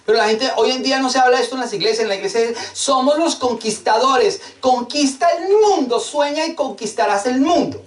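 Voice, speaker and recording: A man's voice: extremely high pitch, a little fast, hardly any pauses. A man preaching a sermon, fervent and emphatic, with rhetorical questions and lots of repetition. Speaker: pastor. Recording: echoey room, mic at a distance.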